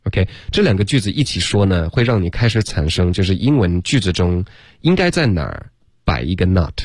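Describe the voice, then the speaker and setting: A deep-voiced man with a husky edge gives a radio English lesson, patiently explaining stress and pauses. He reads the example sentences slowly and clearly. The studio sound is dry and close. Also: very animated, darkish tone, no echo. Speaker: English teacher.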